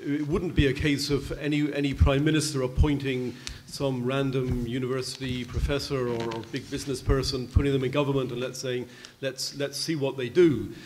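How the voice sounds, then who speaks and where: An older man speaks as an expert at a convention panel, explaining in a measured way with halting restarts. His voice sits at an ordinary middle pitch. He talks into a table microphone in a large hall, with faint noise behind him. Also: level tone, darkish tone. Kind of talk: public panel discussion.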